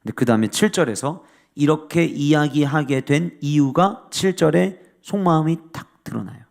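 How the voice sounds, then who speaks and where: A high-voiced man preaching a sermon as a pastor. He explains a passage step by step and puts questions to his listeners. When he makes a point, he drops his voice low and soft. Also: normal speed, gravelly. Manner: explanatory, asks the congregation questions.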